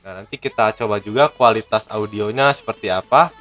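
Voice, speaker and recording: A man's voice: on the low side, brisk, a bit bright, muffled recording, faint music behind. A man from Indonesia, chatting casually to viewers as he demonstrates and reviews a gadget. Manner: chatty, addresses viewers as friends.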